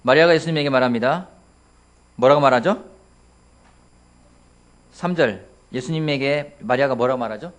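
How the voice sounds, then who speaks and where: A man's voice: mid-range voice, normal speed, pauses often. A man in his thirties, a pastor preaching a sermon in a church, asking his congregation questions and acting out quotes playfully. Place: church sanctuary.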